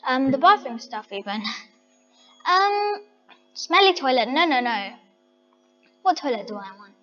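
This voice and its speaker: A woman's voice: sits high, big pitch swings, measured pace, fairly bright tone, long reverb tail, lo-fi sound, soft background music. A woman chatting to her viewers as she decorates a house in a game, thinking aloud. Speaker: vlogger. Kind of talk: casual game commentary.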